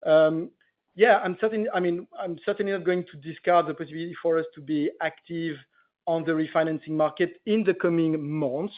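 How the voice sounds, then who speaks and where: Man, executive on earnings call, fairly high voice, halting, emphatic, thin phone-line sound. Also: fairly even intonation, no room sound. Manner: halting, emphatic, repeats phrases for stress. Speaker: company executive answering analysts' questions. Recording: narrow tinny phone line.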